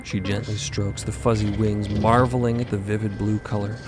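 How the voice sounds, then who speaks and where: A man's voice: on the low side, level tone, normal speed, over loud music. A man giving scripted narration in an audio drama podcast.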